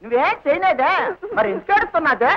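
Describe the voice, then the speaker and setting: An actor playing a nosy, joking railway platform worker in a comic film scene. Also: male voice, extremely high pitch, big pitch swings, fast, a crowd in the background. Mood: mocking. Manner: nosy and mocking. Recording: lo-fi old film soundtrack.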